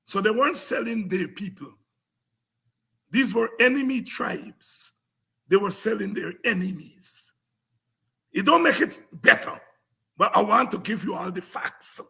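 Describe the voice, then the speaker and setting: A Guyanese man with a very husky, gravelly voice, pitched strikingly high for a man. He lectures informally and combatively, repeating points for emphasis like a programme host driving a lesson home. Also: expressive, a little slow, long pauses, pushed and bright. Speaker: host of a politics and history talk programme. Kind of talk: impassioned informal history lecture to an audience.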